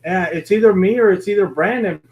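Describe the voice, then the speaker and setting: A man's voice: high-pitched, a little fast. A man chatting casually as a guest on a talk show. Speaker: guest, ring announcer. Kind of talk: casual chat.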